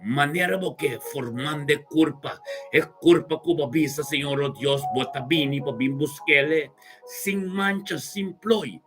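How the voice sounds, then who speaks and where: A man's voice: a little high, a little slow, over music. A man leading a fervent, spontaneous Christian prayer in a devout manner, with repeated invocations and exclamations. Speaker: religious worshipper leading prayer.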